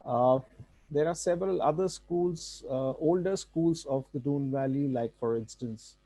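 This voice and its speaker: A man's voice: on the high side, a little slow, dark tone, low-quality recording. A man with an Indian accent explaining local history to a panel, hesitating and repeating words as he goes. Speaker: panel speaker. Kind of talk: informal explanatory talk.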